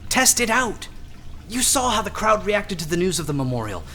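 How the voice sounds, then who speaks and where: A worried protective female colleague, exasperated, bright edgy voice that swings around a lot, audio drama. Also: medium pitch, big pitch swings, moderate pace. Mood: persuasive. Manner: emotional, protesting. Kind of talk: audio fiction acting.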